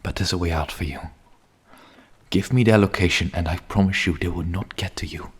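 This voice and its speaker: A man playing a grim, menacing vampire hunter in an ASMR roleplay, speaking slowly and solemnly in a husky voice that often sinks into a whisper. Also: low voice. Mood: earnest pleading. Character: grim male vampire hunter, menacing yet pleading captor. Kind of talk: ASMR roleplay, dramatic monologue.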